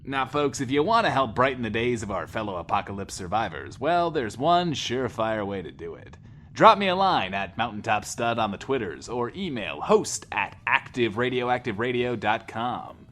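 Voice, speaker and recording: Boastful, animated wasteland radio DJ. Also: male voice, medium pitch, moderate pace, slight background noise. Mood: boastful, glib. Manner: boastful, glib showman patter. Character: vain, defensive post-apocalyptic male radio DJ. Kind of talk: in-world radio show hosting, audio drama.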